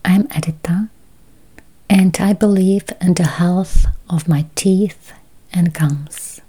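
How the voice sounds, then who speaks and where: Very slow, whispery woman guiding meditation. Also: lowish voice, mellow. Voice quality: breathy, whispery. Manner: slow, soothing, long pauses. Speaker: guided meditation host. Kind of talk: guided meditation, slow affirmations.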